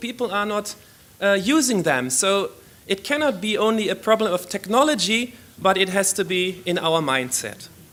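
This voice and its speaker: With a German accent, the speaker uses lively intonation at a moderate pace. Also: man. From Germany. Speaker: academic researcher. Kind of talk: conference commentary. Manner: hesitant, with many fillers.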